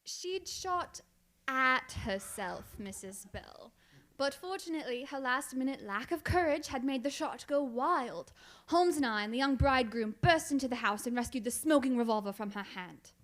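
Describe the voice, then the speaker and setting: A woman playing a blustering, kindly older gentleman doctor with old-fashioned manners in a radio mystery play. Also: high voice, lively intonation, normal speed. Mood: reflective, narrating. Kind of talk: old-time radio mystery theatre acting.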